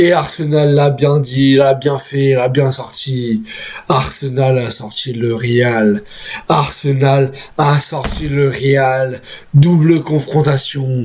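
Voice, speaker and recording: A man speaks at a very slow pace, his pitch fairly high and his intonation fairly even. Noticeable background noise runs underneath. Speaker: football fan vlogger. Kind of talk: vlog monologue.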